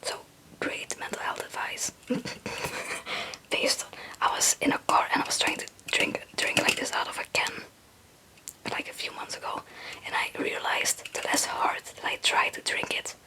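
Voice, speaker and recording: A young woman, a native Dutch speaker, whispering breathily in a rambling, halting, casual ASMR chat. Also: bright, forceful tone, rough recording. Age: young adult. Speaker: ASMR video creator.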